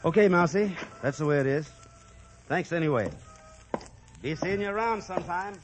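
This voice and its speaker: A man's voice: fairly high pitch, moderate pace, background noise, close to an everyday voice. A man narrating and playing the cowboy hero of an old radio western, in an easygoing, plain-spoken way. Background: music.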